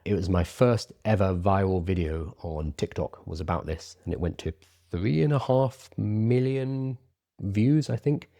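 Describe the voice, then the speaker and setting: Low mellow guy explaining stuff like a casual talk, says his r's like w's. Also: unhurried. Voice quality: soft R's pronounced like W's. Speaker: presenter teaching prompt writing. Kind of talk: conversational presentation to an audience.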